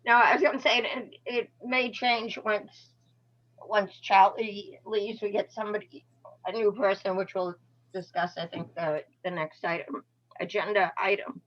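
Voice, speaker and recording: A woman's voice: medium pitch, steady tone, a little slow. A woman with a Boston-area accent chairing a town meeting, her voice strained by allergies, hesitant and often restarting. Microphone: video call. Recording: muffled video call audio.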